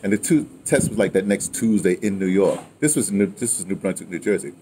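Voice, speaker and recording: A man in his sixties with an American accent and a fairly low, warm-toned voice. He tells stories in a casual, digressive way, looping back and checking that he is followed. He is recorded outdoors with some ambient noise behind him. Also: fairly quick. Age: 60s. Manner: animated, rambling, digressive, often ending phrases with "right?" and "you know". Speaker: guest recounting his radio history. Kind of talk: casual conversational storytelling. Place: outdoors, by a house with a wooden awning.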